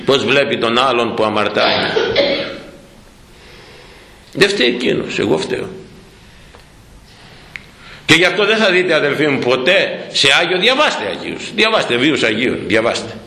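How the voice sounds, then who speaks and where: A man preaching a sermon, animated, slowing down to quote old scripture. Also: medium pitch, vocal fry, echoey room, poor audio.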